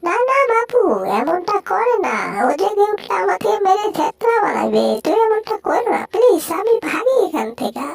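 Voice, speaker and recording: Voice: very high-pitched, big pitch swings, normal speed, creaky, hardly any pauses, full character voice. A performer voicing Jerry, a small panicky male cartoon mouse, in a fan dub, with squealing yelps and wails. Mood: pleading.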